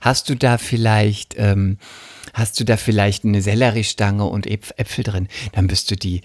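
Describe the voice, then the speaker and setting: A man co-hosting a casual comedic chat, telling stories and acting out quotes in a high voice. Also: moderate pace, no room sound, studio quality. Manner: animated storyteller, acts out quotes in high voice.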